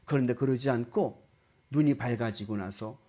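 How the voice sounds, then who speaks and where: A man's voice: medium pitch, moderate pace, warm tone. A man preaching a sermon as a pastor, exhorting emphatically and putting questions to his listeners. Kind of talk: sermon with storytelling and direct questions to congregation.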